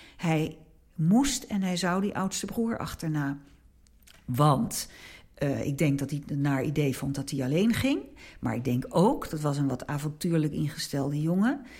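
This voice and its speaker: A woman speaks with a very deep, low pitch and a dark, mellow tone. Her voice is somewhat breathy, with lively intonation. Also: fairly slow pace. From Netherlands, Weesp. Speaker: former TV newsreader. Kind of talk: personal testimony. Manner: halting, with repetitions.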